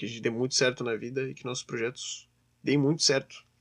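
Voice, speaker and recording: A man talks at a very fast clip in a monotone, flat delivery. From southern Brazil, Caxias do Sul, Rio Grande do Sul. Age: 20s. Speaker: podcast host, university student. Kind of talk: casual monologue. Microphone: simple cheap microphone.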